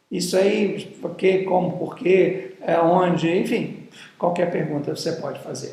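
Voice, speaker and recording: A high-pitched man at a fairly slow pace, with audible room echo and noticeable background noise. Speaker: bishop teaching homiletics. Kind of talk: lecture.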